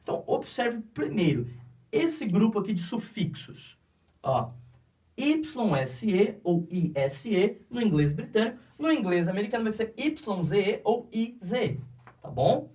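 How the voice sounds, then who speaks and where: A man teaching English to Brazilian students in a classroom, explaining slowly and often checking in with "ok?". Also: sits high, sing-song, mellow, far from the mic. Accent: Brazilian Portuguese. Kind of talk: classroom lecture.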